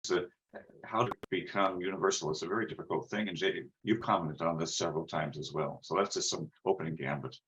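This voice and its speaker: A man with a very low voice muses aloud on an online panel and throws in rhetorical asides. His audio sounds muffled and dull, like a weak video-call line. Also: steady tone, brisk, a bit bright.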